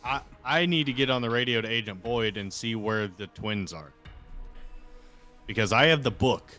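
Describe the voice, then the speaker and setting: A man playing a tabletop game, casually talking through his next move in deliberate, broken phrases. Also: mid-range voice, pushed and bright, faint music behind.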